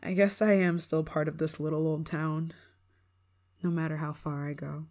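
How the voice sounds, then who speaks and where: A woman's voice: sits low, little pitch movement, normal speed, darkish tone, close to an everyday voice. A woman playing a prickly, homesick young performer in an ASMR roleplay, grudging in manner but secretly fond of an old friend. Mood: tender, wistful. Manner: tsundere, grudging, sighing, secretly affectionate. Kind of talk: ASMR roleplay, acted monologue to listener.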